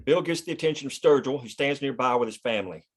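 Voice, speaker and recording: A man serves as narrator for a script read-through. He reads stage directions and scene headings in a mid-pitched voice. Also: quick pace.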